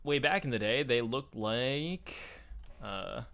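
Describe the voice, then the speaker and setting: A man's voice: mid-range voice, lively intonation, slow pace, gravelly, fairly bright tone, a little hiss or hum. A man chatting casually and explaining things in a conversational, enthusiastic way, as a show host.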